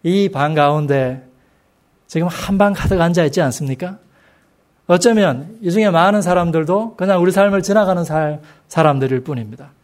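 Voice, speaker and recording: Korean male preacher, emphatic and slow. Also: a little high, a little mellow. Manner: slow, emphatic delivery with rhetorical questions to the congregation. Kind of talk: sermon. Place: church sanctuary.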